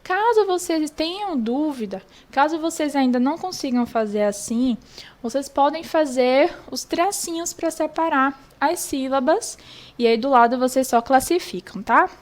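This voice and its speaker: A woman's voice: sits high, expressive, moderate pace. A young woman with a Brazilian Portuguese accent, teaching an online lesson and patiently going through a worksheet, repeating key points for children.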